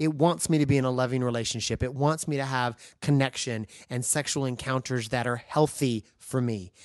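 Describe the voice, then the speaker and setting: In an ordinary speaking voice with an American accent, a man speaks fairly quickly at a medium pitch with fairly even intonation against a quiet background. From US South, North Carolina. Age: 50s. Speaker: celebrity fitness trainer. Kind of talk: casual chat.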